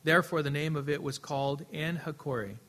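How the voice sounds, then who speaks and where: Bright-voiced man preaching a sermon. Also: a little high, fairly quick. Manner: earnest preaching, swelling louder then dropping soft; repeats words as he restarts. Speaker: pastor.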